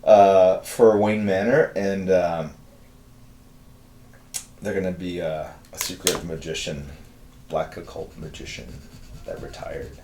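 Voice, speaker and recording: A man's voice: deep voice, steady tone, slow, pauses often, mellow, reverberant, slight background noise. A man in his fifties hosting a live drawing stream, chatting casually with viewers and rambling through answers with many fillers. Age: 50s. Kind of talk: casual chat reading viewer messages.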